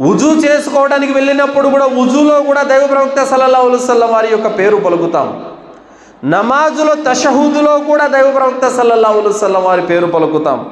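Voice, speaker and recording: High-voiced preacher in an echoey mosque. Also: male voice. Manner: rhetorical questions and answers, swinging from raised to low. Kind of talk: Friday sermon.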